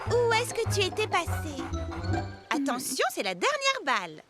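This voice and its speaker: Brief: bright cartoon girl, sing-song and bouncy, exclaims a lot. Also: very high-pitched, wildly swooping pitch, normal speed, full character voice. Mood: coaxing. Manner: patient, coaxing, exclaims often. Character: cheerful young cartoon girl training her dog. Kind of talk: French cartoon dub. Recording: cartoon soundtrack with loud music.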